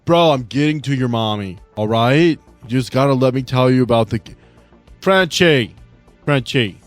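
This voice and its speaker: A man acts out an excitable young bro for a tabletop game. He rambles in slang, repeats himself and makes everything dramatic. Music plays behind him. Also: mid-range voice, moderate pace, natural voice. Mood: rambling, insistent.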